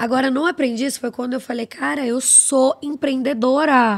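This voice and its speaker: Over a quiet background, a woman speaks at a moderate pace in a high pitch. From Brazil, Osasco (São Paulo); Brazil. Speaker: influencer and entrepreneur; influencer. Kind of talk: casual chat. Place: studio. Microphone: studio mic.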